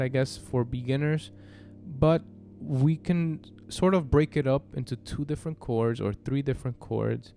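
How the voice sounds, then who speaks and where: A man giving a casual piano lesson, explaining step by step in a halting way with frequent check-ins. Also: medium pitch, gravelly, dark tone. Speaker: piano tutor. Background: piano chords played alongside the voice.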